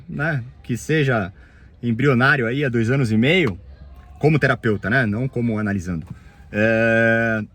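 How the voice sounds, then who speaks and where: In a voice on the high side, a man who works as a therapist shares a reflective personal monologue in a Brazilian Portuguese accent. His speech comes in stop-start bursts, one phrase at a time, peppered with tag questions.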